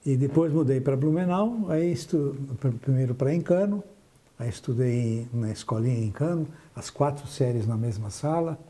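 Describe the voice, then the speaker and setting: An older man from southern Brazil with a very dark, mellow voice, reminiscing about his past as a TV interview guest. He speaks reflectively, restarting and trailing off as memories come back. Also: mid-range voice, normal speed. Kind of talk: recalling his life in an interview.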